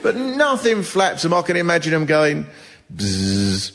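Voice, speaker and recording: A man's voice: sits high, animated, moderate pace, long reverb tail, a crowd in the background. A man performing stand-up comedy before a live audience, with sardonic, exasperated rants. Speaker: comedian host. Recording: live stage recording with audience noise.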